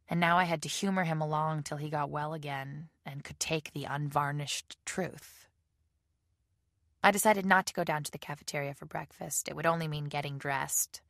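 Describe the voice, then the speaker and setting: A woman reading a novel aloud as a measured, subdued first-person audiobook narration. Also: sits low, vocal fry, no echo, clean studio sound. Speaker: audiobook reader.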